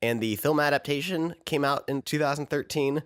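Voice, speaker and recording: A man's voice: fairly high pitch, fairly quick. A man hosting a book-and-film podcast, a little sick and nasal, chatting casually with plenty of fillers from a living room. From United States. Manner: chatty, self-deprecating, many fillers. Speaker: podcast host. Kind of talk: casual chat. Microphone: new podcast microphone.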